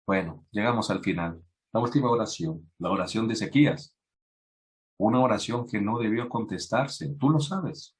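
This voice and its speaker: A man preaching a sermon to young people, acting out pleading voices and rising in pitch when he stresses a point. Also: moderate pace. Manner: acts out biblical voices, rises in pitch when emphatic. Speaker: youth preacher.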